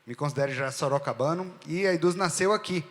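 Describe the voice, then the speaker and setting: A middle-aged man with a Northeastern Brazilian accent gives a talk from a stage. His voice sits a little high for a man. The sound carries a long reverb from the hall. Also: fast talker. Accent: Northeastern Brazilian, from Rio Grande do Norte. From Rio Grande do Norte, Brazil. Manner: conversational, asks the audience questions. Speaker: speaker at a live event. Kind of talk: storytelling keynote talk.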